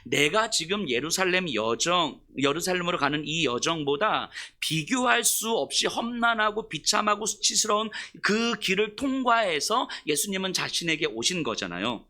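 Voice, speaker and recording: Bright, lively male pastor preaching. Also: high-pitched, moderate pace, few pauses. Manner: animated storytelling, asks the congregation questions. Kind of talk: sermon.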